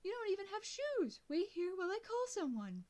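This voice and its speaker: A woman voicing a graying, fussing lady with a dog, in a high doting tone. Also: sing-song, fairly quick, darkish tone. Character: middle-aged woman walking a dog, fussing.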